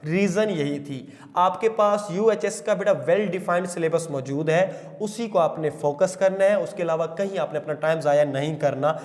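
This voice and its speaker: A male teacher giving a classroom lecture, calling his students "beta", asking questions and answering them himself, and dictating definitions slowly word by word. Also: a little high, darkish tone, long reverb tail.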